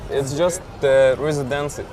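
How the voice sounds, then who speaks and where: A man's voice: mid-range voice, normal speed, a little mellow. A man from Jerusalem, an Arab lawyer, answering earnestly in broken English. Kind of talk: interview answers.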